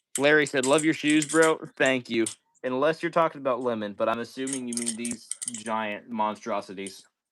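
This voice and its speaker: Using a normal speaking voice, a man talks at a moderate pace with an American accent. His pitch is medium, with ordinary variation. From US South, Ozarks. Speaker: balisong streamer. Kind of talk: casual live stream chat.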